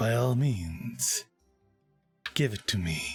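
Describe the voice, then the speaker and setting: A man's put-on character voice at medium pitch, with faint music in the background. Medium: virtual streamer. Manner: formal, haughty, slow.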